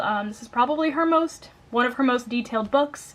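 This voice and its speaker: With an American accent, a woman speaks at a fairly quick pace and high pitch with ordinary pitch variation over noticeable background noise. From US Midwest, Wisconsin. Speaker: YouTuber, adult coloring channel. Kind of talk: casual vlog chat.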